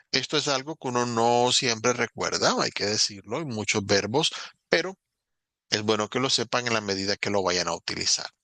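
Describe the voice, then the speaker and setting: A man teaching a recorded lesson, explaining rules calmly in short phrases with pauses. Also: lowish voice, creaky, no room sound. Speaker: English teacher.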